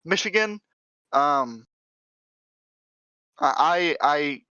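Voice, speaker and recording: A man's voice: on the high side, animated, very slow, pushed and bright, smooth, no room sound, lo-fi sound. A man co-hosting a podcast, chatting casually in an easygoing way and laughing often. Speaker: podcast co-host. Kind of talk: casual chat.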